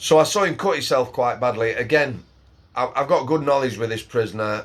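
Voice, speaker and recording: A man with a northern English accent at medium pitch and a fairly quick pace, on a very clean recording with a silent background. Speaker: former prison officer. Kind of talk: interview storytelling.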